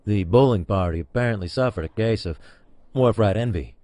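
A man hamming up a low, pompous starship captain. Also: dark tone, no room sound, close to an everyday voice. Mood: solemn, self-important. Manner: melodramatic, halting dramatic emphasis. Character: pompous, envious male starship captain turned bowler, parody. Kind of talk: comic audio drama acting with log narration.

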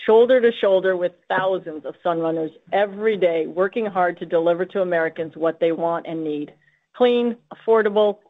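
Woman executive on a tinny phone line. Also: lowish voice. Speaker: company executive. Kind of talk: earnings call remarks. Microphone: conference call line. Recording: tinny, band-limited conference call line.

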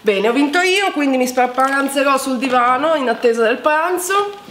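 A woman's voice: sits high, moderate pace. A young woman hosting in a casual, playful, exclamatory way, chatting in a room at home. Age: young adult. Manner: animated, exclamatory. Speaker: video host playing a lip-reading game. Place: home living room with staircase, indoors. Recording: echoey room with background noise.

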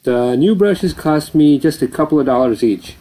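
A man's voice: a little high, lively intonation, normal speed, dark tone, low-quality recording. A man explaining a motor repair over his footage in a plain, explanatory way, with occasional fillers. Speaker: repair channel host.

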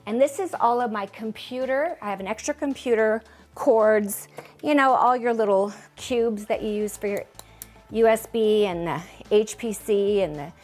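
Her voice is fairly high-pitched with a darkish tone and a normal pace. She's a home organizing vlogger in her fifties giving a chatty, self-joking tour of her freshly organized closet in an indoor bedroom, speaking straight to the camera.

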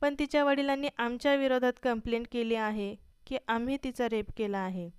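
Lady reading as a scared young guy, begging and teary, smooth clear voice, dry sound. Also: fairly high pitch, fairly even intonation, brisk, no echo, close to an everyday voice. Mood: pleading, tearful. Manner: pleading, crying. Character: young man, frightened, tearful, pleading.

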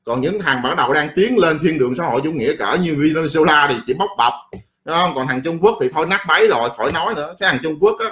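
A middle-aged man rants about politics, blunt and often crude. His speech rambles and circles back on itself. He talks very fast in a slightly raised voice. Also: a little high, expressive, fairly bright tone. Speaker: political commentator. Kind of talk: casual political rant.

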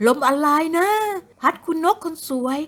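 A woman's voice: unhurried, music in the background, lightly acted. A woman voicing a sly, scheming man who talks in a teasing, mocking way. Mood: smug mocking. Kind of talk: audiobook character voice.

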